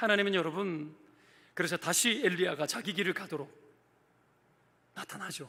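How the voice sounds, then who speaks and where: Bright and sharp in tone, a man speaks at a high pitch with ordinary pitch variation. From Gyeongsang Province, South Korea. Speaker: pastor. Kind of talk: sermon. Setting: church. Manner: fast; animated.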